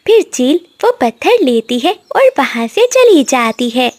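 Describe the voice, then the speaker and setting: A woman narrating a cartoon story in a slow, moral-telling storyteller manner. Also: high-pitched, sing-song, a little mellow, no room sound, studio quality.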